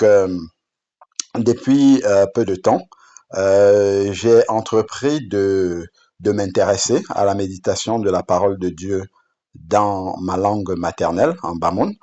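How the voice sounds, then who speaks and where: Low male voice, hesitant and halting, full of fillers and restarts, unscripted demo talk, muffled lo-fi recording. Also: a little mellow. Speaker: app creator presenting his project.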